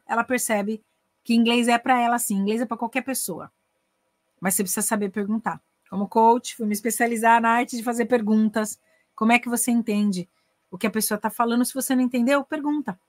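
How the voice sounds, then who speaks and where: Lively Brazilian woman teaching English. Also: fairly high pitch, brisk, dry recording. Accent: Brazilian Portuguese. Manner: lively, acts out dialogues, switches between Portuguese and English. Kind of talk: casual online masterclass.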